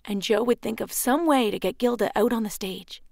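A woman's voice: on the high side, a little fast, vocal fry, darkish tone, dry recording. A woman voice actor narrating sample readings recorded in a home studio.

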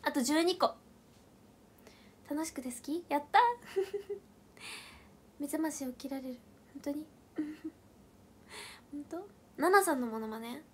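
A young woman hosts a casual livestream, and her voice sits high and light. She chats playfully, reacts to comments with quick questions and thanks viewers one by one. Her delivery is relaxed and talkative. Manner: counts aloud and thanks viewers by name in long lists. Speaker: idol group member hosting a livestream.

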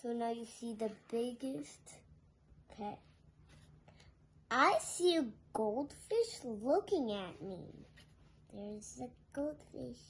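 A young girl reading a picture book aloud to small children in a singsong way, with softer asides. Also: a little high, very animated, slow pace, pauses often, husky. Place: living room sofa at home. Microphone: phone held nearby. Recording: home phone recording with background noise.

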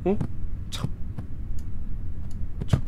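A game streamer giving loud commentary, often yelling and swearing in comic outbursts. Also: extremely slow, a little hiss or hum.

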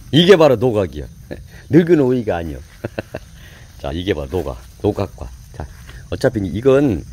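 Filmed in a vegetable field and later a home kitchen, a middle-aged host chats casually about gardening and cooking, chuckling often and saying "like this" over and over. His voice is fairly low and dark with a breathy edge.

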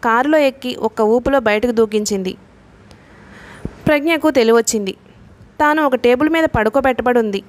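A woman's voice: a little high, normal speed, long pauses. A woman narrating a novel as an audiobook reader, reading the characters' lines in her own voice.

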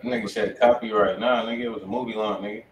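A man's voice: lowish voice, steady tone, racing. A man with an American accent co-hosting a show in blunt, profane, slangy casual chat. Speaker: music review show co-host. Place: indoor room with desk and studio monitors. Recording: roomy, distant mic, background noise.

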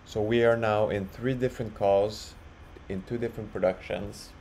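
A man presenting a casual software walkthrough, explaining step by step in a halting way. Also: lowish voice, steady tone. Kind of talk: casual screen-share walkthrough. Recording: clearly audible background noise.

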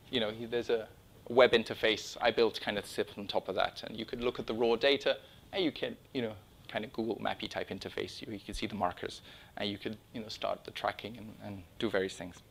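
A man's voice: lowish voice, brisk, gravelly, fairly bright tone. A middle-aged man presenting his own project in an informal talk, with conversational, self-interrupting phrasing. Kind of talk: informal conference-style talk with slides. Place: indoor meeting room or small lecture room.

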